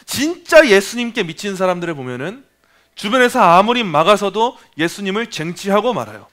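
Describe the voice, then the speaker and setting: Male preacher, evening prayer sermon, high voice, lively swings, emphatic. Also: a little fast. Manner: emphatic, animated, acts out the voices of others.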